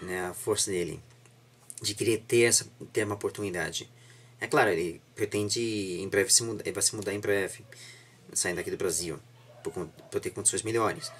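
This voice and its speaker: A young man with a Brazilian accent and a slightly husky voice, chatting reflectively as an interviewer, repeating and rephrasing himself earnestly. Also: on the low side, normal speed, fairly bright tone, a little hiss or hum. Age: young adult. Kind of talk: casual reflective interview chat. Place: small home room indoors, seated on a sofa.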